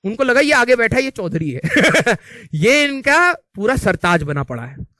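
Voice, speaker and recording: A man's voice: very high voice, big pitch swings, measured pace, sharp tone, no echo, clean studio sound. A teacher telling a comic story to his class, chatty and laughing often, calling his listeners brother. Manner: chatty, laughs often, keeps adding "ठीक है"; calls listeners "भाई" while telling.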